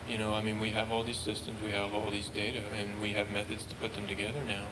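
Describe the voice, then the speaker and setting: Lower-voiced guy giving a talk, keeps restarting words, noisy room. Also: little pitch movement. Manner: halting, repeats words. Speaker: presenter. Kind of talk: research talk Q&A. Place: lecture room.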